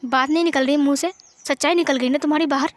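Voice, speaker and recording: Woman reading as an angry young guy, bitter and sarcastic, kinda high voice. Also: fairly even intonation, quick pace, faint music behind, lightly acted. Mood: bitter, accusing. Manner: accusing and sarcastic.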